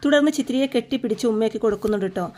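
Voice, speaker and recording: A woman casually retelling a TV serial episode in a chatty way, reading the characters' lines a little louder. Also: fairly high pitch, racing. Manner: chatty, keeps adding a friendly tag word, acts out the quoted lines a little louder. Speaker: serial recap narrator.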